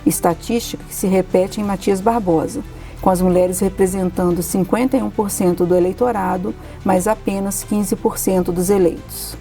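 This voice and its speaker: Casting woman, documentary narrator, gravelly mellow tone, faint music under. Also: medium pitch, normal speed. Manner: steady, formal delivery. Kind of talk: scripted narration.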